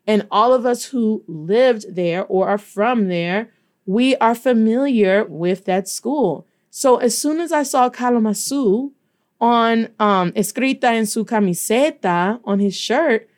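A woman from Detroit with a Black Midwestern accent, telling a story in a chatty, animated way while teaching Spanish. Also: on the high side. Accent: Black Midwestern American. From Detroit, Michigan. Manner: chatty, animated, addresses listeners as y'all. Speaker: Spanish teacher and podcast host. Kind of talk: casual storytelling lesson mixing English and Spanish.

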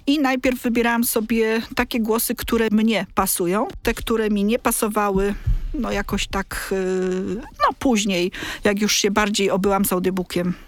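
A middle-aged woman, a librarian from a talking-book department, chatting casually on a podcast, taking her time and pausing often to find her words. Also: medium pitch, dry recording. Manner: unhurried, searching for words with fillers and repeats.

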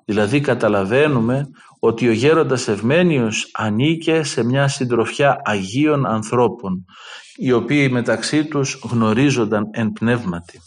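A man preaching, telling stories of an elder in an earnest way and acting out the dialogue. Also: mid-range voice. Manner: earnest, lively quoting of dialogue. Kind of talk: sermon storytelling.

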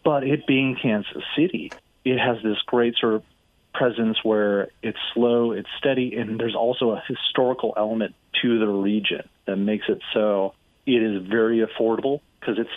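Man, energetic, talkative, phone-quality audio, dry sound. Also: on the low side, no room sound. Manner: energetic, fluent, fond of "right?" and "like". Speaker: real estate investor guest. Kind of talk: radio interview answers. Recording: tinny phone line, dry.

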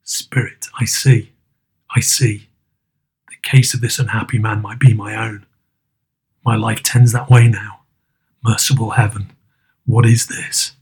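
A man voicing a frightened elderly male miser, speaking in a husky, hushed way. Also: fairly low pitch, little pitch movement, a little slow, pauses often, voice pushed down, full character voice. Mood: fearful.

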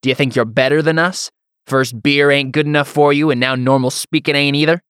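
A hotheaded young male laborer played by a man narrating an audiobook blusters and mocks in rough, colloquial speech. He is pitched up from the narrator's natural voice and bullies with every line. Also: steady tone, a little fast, fairly bright tone, no echo, clean studio sound, close to an everyday voice. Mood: sneering.

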